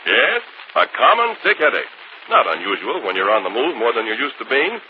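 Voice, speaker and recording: A male radio announcer delivers an ad and narration with a smooth selling cadence and animated pitch. The sound is thin and tinny, with faint hiss. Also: fairly quick. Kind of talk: scripted ad and narration. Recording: tinny vintage radio broadcast.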